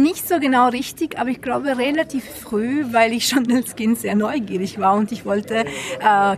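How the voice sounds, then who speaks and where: A woman from Italy with an Italian accent, speaking German as a podcast guest in a casual chat, hesitant with many fillers. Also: on the high side. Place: outdoor wine tavern with other guests around. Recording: clear crowd noise behind. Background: crowd chatter.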